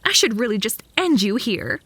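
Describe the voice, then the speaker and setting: A woman's voice: on the high side, sing-song, moderate pace, a bit bright, breathy edge, dry recording, exaggerated voice. A woman playing a possessive, lovesick, bratty vampire in a comedic ASMR roleplay, haughty and theatrical, by turns flirty and threatening.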